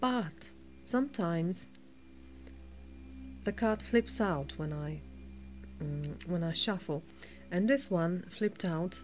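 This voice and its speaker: Long, frequent pauses break up a woman's very slow speech in a Polish accent. Music plays in the background. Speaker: tarot reader. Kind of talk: tarot reading monologue. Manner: halting, many fillers.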